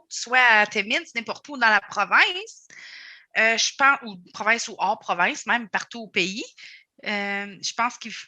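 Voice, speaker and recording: A woman's voice: a little high, pushed and bright, no room sound. A woman speaking on a casual panel. She argues steadily and persuasively, building her point step by step.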